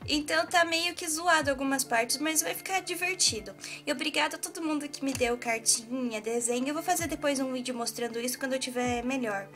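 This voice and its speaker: A woman's voice: high-pitched, fairly quick, hardly any pauses. A young woman vlogging a fan meetup in a park, chatty and laughing as she films on her phone. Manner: chatty, laughs often, urging friends to say hi. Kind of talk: casual vlog chat. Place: outdoors in a park garden. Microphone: phone camera held by hand.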